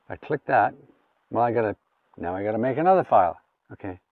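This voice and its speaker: A man's voice: on the low side, lively intonation, quick pace, no echo, distant mic. Man, casual gadget demo, informal step-by-step talk, thin phone-like audio, slightly off-mic. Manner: informal, talking through each step aloud. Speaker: gadget reviewer. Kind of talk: casual hands-on product demonstration.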